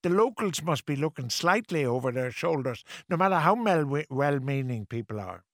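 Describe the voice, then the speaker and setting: A man's voice: on the high side, lively intonation, normal speed, no echo, studio quality. A man hosting a radio talk show, asking direct questions in a friendly way. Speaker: radio host. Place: radio studio.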